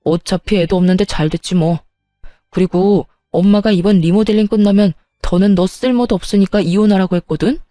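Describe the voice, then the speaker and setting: A woman's voice: medium pitch, a little fast, dark tone, no room sound, clean studio sound, faint music behind, lightly acted. A woman voicing a self-righteous young husband who talks in a cold, dismissive, stubborn way.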